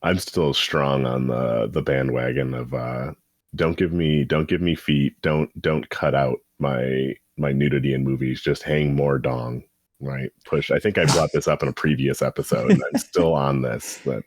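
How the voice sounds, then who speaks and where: Very deep-voiced man, casual podcast talk, wry rambling riffs, dry sound. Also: normal speed, gravelly, darkish tone, no room sound. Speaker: podcast co-host. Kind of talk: casual comedic chat.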